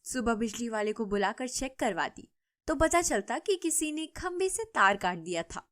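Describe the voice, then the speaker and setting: A woman narrates an animated storybook in a steady, scripted telling. Her voice sits a little higher than usual for a woman. The delivery is even and clear. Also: normal speed.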